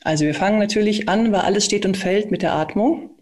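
Calm, explanatory speaking coach. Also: medium pitch, quick pace. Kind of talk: coaching conversation with demonstrations.

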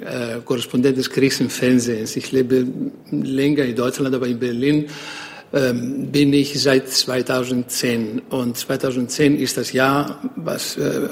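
A man's voice: mid-range voice, vocal fry. A man, a foreign correspondent introducing himself on a panel, hesitating often with fillers. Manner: halting, many fillers.

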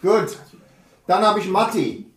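A man hosts a loose group video call, ribbing his guests and calling on each one by turns. His voice sits high and swings widely, and he speaks slowly. The sound is roomy and echoey. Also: very animated. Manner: joking, calls on guests one by one. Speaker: host of a motorbike chat stream.

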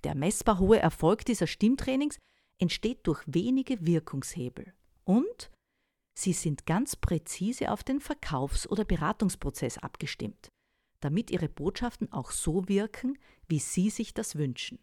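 A woman voice coach giving calm, scripted instructional advice, often asking rhetorical questions. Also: fairly low pitch, a little slow, no room sound, studio quality. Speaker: voice and sales-speech coach.

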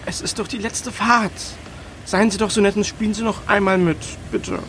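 A man's voice: high-pitched, moderate pace, a bit bright, a little hiss or hum. A man voicing a servile first mate who speaks politely and hesitantly, with frequent ums. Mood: meek. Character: servile male first mate, nervous and obliging.

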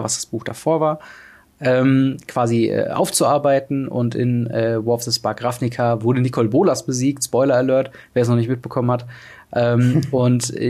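A young man co-hosting a casual podcast, talking with many pauses and fillers. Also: mid-range voice, a little mellow. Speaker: podcast co-host.

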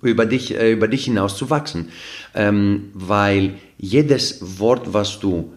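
A man with a slightly low voice who is not a native speaker talks as a podcast guest. He explains things earnestly, one everyday example after another, with frequent fillers and restarts as he hunts for the right word. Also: takes it slowly. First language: not German. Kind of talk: casual explanatory talk.

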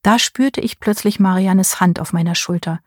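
A woman narrating a first-person audiobook in a measured storytelling way, with a husky voice. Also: medium pitch, a little mellow, no room sound, clean studio sound. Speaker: audiobook reader.

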